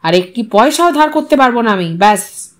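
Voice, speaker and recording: A woman acts out a stern husband in an audio story. The voice is high for the part and swings widely in pitch. The delivery is curt, angry and laced with sarcasm. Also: expressive, moderate pace, natural voice. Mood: exasperated anger. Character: stern, bitterly sarcastic husband, short of money. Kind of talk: dramatised audio story reading.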